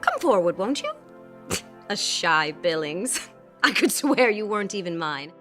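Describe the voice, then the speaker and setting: An actress playing an effervescent, vain, wealthy 1950s society hostess with grand, affected speech. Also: female voice, mid-range voice, big pitch swings, unhurried, fairly bright tone. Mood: airy, cutting. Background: music.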